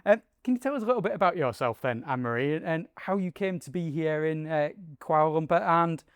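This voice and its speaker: A man's voice: on the high side, expressive, fast, smooth, no echo, clean studio sound. A man hosting an interview, chatty and jokey, who stumbles over his restarts while he introduces the guest outdoors by a pool. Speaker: host. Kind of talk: casual podcast hosting.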